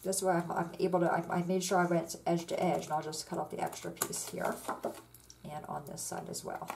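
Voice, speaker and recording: In a noisy setting, a woman with a fairly low, quick voice and vocal fry hosts a card-making tutorial. She chats casually and gives step-by-step instructions with fillers at an indoor craft table, her hands filmed by an overhead tabletop camera.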